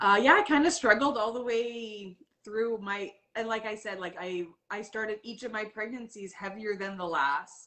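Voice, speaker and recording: A woman with a Canadian accent and an ordinary speaking voice talks at a moderate pace and a fairly high pitch, showing ordinary pitch variation and big swings in loudness. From Canada. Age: 30s. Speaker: app user sharing weight-loss story. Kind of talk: interview testimony.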